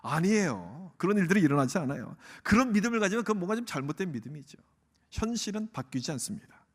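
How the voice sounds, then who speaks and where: A man's voice: high-pitched, very animated, fast talker, husky. A male pastor delivering a sermon, often posing rhetorical questions to the congregation. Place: church sanctuary. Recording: long church hall reverb.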